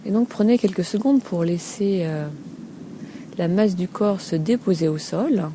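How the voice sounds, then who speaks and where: Femme à la voix douce et feutrée. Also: female voice, medium pitch. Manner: gentle, unhurried, hesitant pauses between short phrases. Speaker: Feldenkrais teacher guiding a body scan. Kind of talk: guided relaxation lesson, spoken unscripted. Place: outdoors by a calm sea. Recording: steady seaside ambient noise. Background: sea ambience with some seagulls.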